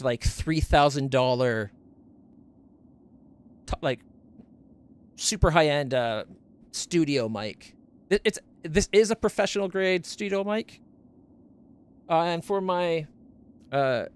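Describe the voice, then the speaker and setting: A man with a fairly high voice for a guy, admitting it isn't naturally deep. He chats loosely from his home stream setup, circling back and correcting himself as he goes, close on a studio mic. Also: clear, resonant tone. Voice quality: not very deep voice. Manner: rambling, self-correcting, stumbles over names. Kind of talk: casual chat about gear on a game stream. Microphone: studio condenser mic up close.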